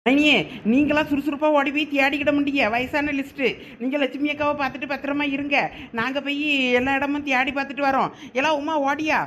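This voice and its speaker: A woman's voice: high voice, flat delivery, fairly quick, fairly bright tone, slight background noise. A woman with a Thoothukudi Tamil accent voicing a village woman in a cartoon, speaking in a coaxing, reassuring way. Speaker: cartoon voice actor.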